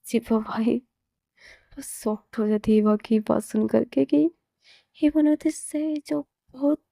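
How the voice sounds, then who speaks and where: A woman telling a romance story in a relaxed, casual way, moving between narration and the characters' lines, with loose fillers. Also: on the high side, a little slow, creaky, no echo, clean studio sound. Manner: narrates plainly, slips into quoted dialogue, loose fillers.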